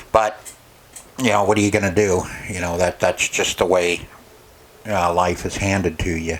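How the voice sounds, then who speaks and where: Over noticeable background noise, a man with a very deep, low voice speaks in a flat monotone at a moderate pace, leaving long, frequent pauses. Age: 60s. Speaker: YouTuber, retro gaming and arcade repair. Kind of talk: personal vlog monologue. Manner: halting, many fillers and restarts.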